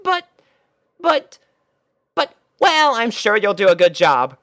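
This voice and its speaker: A man's voice: high-pitched, wildly swooping pitch, slow pace, fairly bright tone, pitched above the performer's own voice, full character voice. A man voicing a fretful, bookish young female cartoon pony, earnest, fussy and easily exasperated. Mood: flustered.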